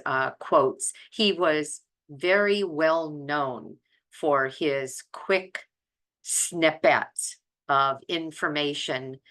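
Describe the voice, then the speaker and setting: Older woman, very low pitch, slow pace, halting deliberate phrasing, informal health coach talk. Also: fairly bright tone, clear, resonant tone. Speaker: health coach and video host.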